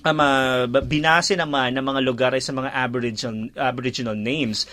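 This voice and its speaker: A man from the Philippines co-hosting a casual radio chat, talking in a lively way, laughing often and spelling words out letter by letter. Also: mid-range voice, moderate pace, slight background noise. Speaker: radio co-host.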